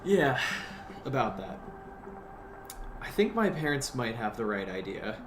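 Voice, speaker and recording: Audio drama role: anxious, practical young guy, earnest and animated, over clear background noise. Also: medium pitch, measured pace. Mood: cautious. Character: anxious, practical young adult urging friends to flee.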